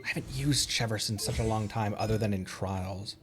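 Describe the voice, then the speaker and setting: A man's voice: fairly low pitch, fairly quick. A man hosting a game livestream, chatting casually with viewers and rambling as he thinks aloud. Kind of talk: casual gaming chat with viewers.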